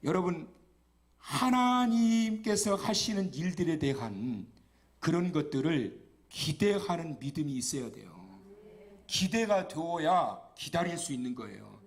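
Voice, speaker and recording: Man, guest pastor, lively joking sermon, fairly high voice, church service. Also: unhurried. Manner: joking, has the congregation repeat phrases after him. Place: church during a Friday night service.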